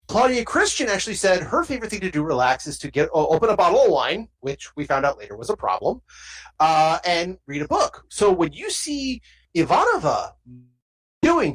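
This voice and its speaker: Lively, low-voiced woman game master. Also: husky, low-quality recording. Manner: animated storytelling, quick asides. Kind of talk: narrating a tabletop game.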